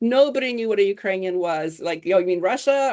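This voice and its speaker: A woman rattles along very fast, her intonation lively, while noticeable background noise fills the clip. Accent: American. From United States. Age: 60s. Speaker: panel co-host and interpreter. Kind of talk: panel discussion with consecutive interpreting. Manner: halting.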